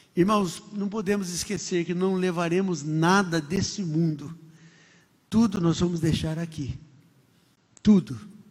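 Audible room echo surrounds a man speaking with a high pitch and ordinary pitch variation. His pace is fairly slow, with long, frequent pauses. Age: old. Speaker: pastor. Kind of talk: sermon. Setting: church.

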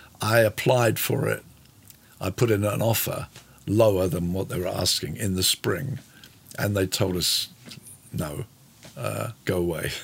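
Noticeable background noise behind a man's fairly low-pitched voice. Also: ordinary pitch variation, fairly slow pace. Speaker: pastor. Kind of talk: casual chat.

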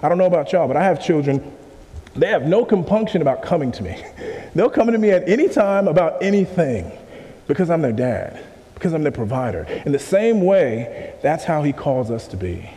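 The speech moves at a fairly quick pace with very wide pitch swings. Noticeable background noise and audible room echo are present. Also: man, high pitch for a man. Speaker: pastor. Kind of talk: sermon. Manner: articulate.

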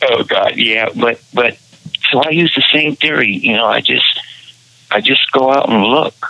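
A man speaks at a moderate pace, his loudness very even. Noticeable background noise sits behind him. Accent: American. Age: 70s. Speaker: UFO skywatcher and retired truck driver. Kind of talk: casual interview chat. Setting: remote call.

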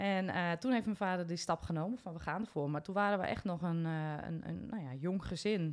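A woman with a fairly low pitch talks at a moderate pace, pausing hardly at all. Hers is an unremarkable speaking voice with ordinary pitch variation. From Friesland, Netherlands (Oude Haske). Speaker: commercial director of family business. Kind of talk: interview.

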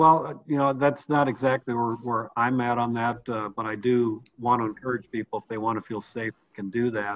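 Medium-pitched man's voice, a plain, everyday voice, at a moderate pace with hardly any pauses and fairly even intonation, dry and close with no echo. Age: 60s. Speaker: state senate majority leader. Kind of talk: political interview. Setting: video call from his kitchen table.

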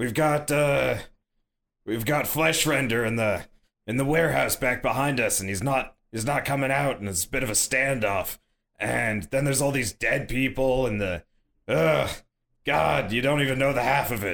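A man puts on a character voice at a medium pitch. He keeps a moderate pace with long, frequent pauses. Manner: friendly, simple, chummy.

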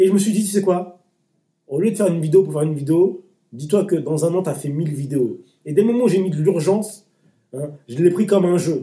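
Speaking at a fairly quick pace, a man with a high-pitched yet dark, mellow tone uses ordinary pitch variation. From Paris suburbs, France. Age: 30s. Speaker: YouTuber, dating and masculinity coach. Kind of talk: casual interview chat.

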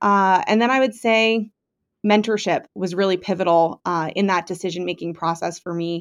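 In a plain, everyday voice, a woman with an American accent speaks at a moderate pace with ordinary pitch variation. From New York, Long Island. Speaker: pediatric neurosurgery fellow. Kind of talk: interview.

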